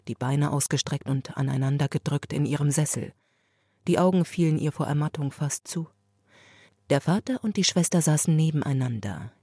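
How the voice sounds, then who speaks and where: A woman narrating a classic story as an audiobook, in a measured, steady storytelling manner. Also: deep voice, slightly rough, dry recording, clean studio sound.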